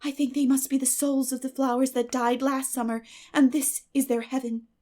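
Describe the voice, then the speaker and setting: Lady doing a dreamy little schoolgirl for an audiobook, high voice, super gushy and theatrical. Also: flat delivery, moderate pace, mellow, natural voice. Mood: rapturous. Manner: effusive, earnest, theatrical. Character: dreamy, dramatic, gushing young schoolgirl. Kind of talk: dramatic audiobook character voice.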